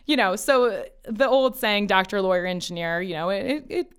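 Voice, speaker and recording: A woman's voice: mid-range voice, expressive, moderate pace, smooth. A woman whose first language is Farsi, a family lawyer talking casually as an interview guest, laughing easily and quoting her parents. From Colorado, USA.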